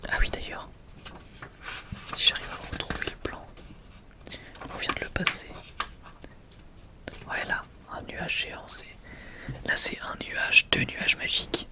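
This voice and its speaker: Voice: a little slow, long pauses, pushed and bright. Whispering ASMR creator. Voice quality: breathy, unvoiced whisper. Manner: rambling, self-correcting, enthusiastic. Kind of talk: ASMR, whispered casual show-and-tell.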